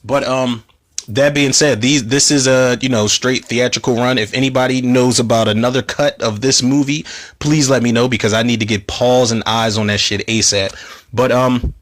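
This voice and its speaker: A man with a slightly hoarse voice, hosting a casual movie commentary podcast, rambling and cursing as he talks. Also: mid-range voice, fairly even intonation, moderate pace. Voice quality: rambling, profane, self-interrupting.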